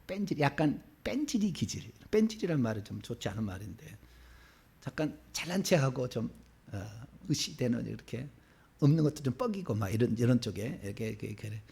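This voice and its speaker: A man's voice: medium pitch, big pitch swings, brisk, gravelly, dark tone, husky. A man in his fifties from Seoul, a pastor preaching a sermon in church, asking the congregation rhetorical questions and chuckling in asides. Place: church sanctuary.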